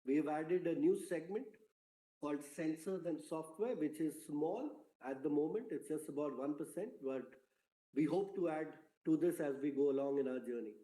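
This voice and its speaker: The clip captures a corporate executive, a man, presenting prepared material in a roomy space full of reverb. He has a mellow, somewhat high voice and a soft, unhurried tone, keeping his delivery formal and measured as if updating investors by phone.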